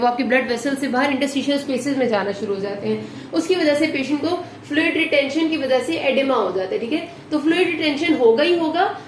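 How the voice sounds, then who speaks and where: High-voiced woman, patient medical lecturer, echoey room with faint hiss. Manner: patient, repeats key points with "ठीक है" checks. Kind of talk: explanatory lecture.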